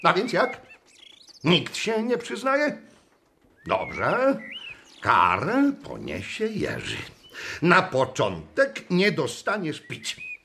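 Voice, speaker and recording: Radio play schoolmaster: pompous, callously strict, bright high voice, unhurried. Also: male voice, slight background noise, heavily acted. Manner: pedantic, lecturing, theatrical. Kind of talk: radio drama acting.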